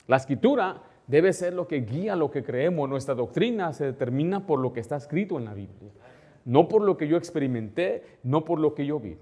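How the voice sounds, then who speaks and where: A male pastor preaching a conversational sermon, asking the congregation to follow along in the text and rising louder when he stresses a point. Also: on the high side.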